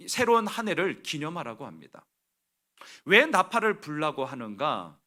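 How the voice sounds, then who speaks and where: A man's voice: on the high side, bright, forceful tone. A man preaching a Sunday sermon as pastor, emphatic, asking rhetorical questions and acting out voices.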